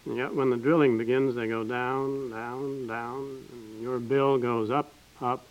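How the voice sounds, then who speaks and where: A courteous, self-assured American salesman played by a man makes his pitch in measured, formal phrases. His voice sits at an ordinary male pitch. The sound is a dull 1950s radio comedy recording. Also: fairly even intonation, close to an everyday voice. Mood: ominous, knowing. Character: polite, self-assured salesman of uncertain trade, patient and persuasive.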